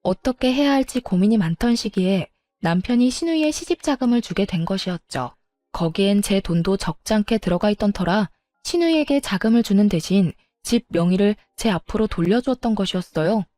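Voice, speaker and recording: A woman narrating a first-person story in a plain, steady way, recorded on a close mic. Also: mid-range voice, brisk, no echo, faint music behind.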